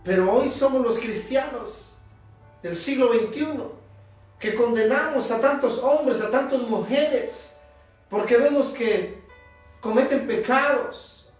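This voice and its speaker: A man preaching a sermon as pastor, emphatic and leaning on long pauses. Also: very high-pitched. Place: church sanctuary. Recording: echoey church, distant mic, soft instrumental music.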